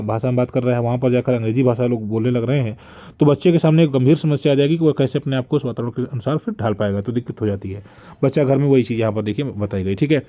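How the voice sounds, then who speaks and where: A man's voice: mid-range voice, dark tone. A young man giving an online lecture on language teaching, explaining step by step with frequent check-in fillers. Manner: explanatory, frequent "dekhiye" and "theek hai" fillers.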